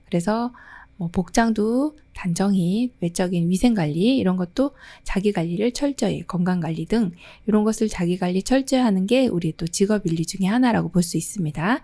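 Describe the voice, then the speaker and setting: Middle-aged lady instructor going over exam questions, soft mellow voice, reads the options out then explains like a friendly teacher. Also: medium pitch. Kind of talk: lecture explaining exam answers.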